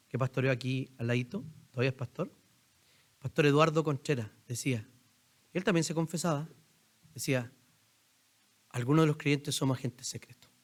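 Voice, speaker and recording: A man with a Chilean accent preaching a sermon as pastor in a church, talking conversationally and putting questions straight to the congregation. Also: mid-range voice. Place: church sanctuary.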